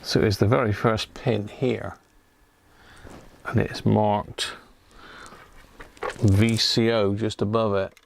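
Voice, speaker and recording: A man's voice: on the low side, flat delivery, takes it slowly, creaky, pauses often, a little hiss or hum. A man giving casual live commentary as he does electronics repair, chatting and half muttering to himself while he works.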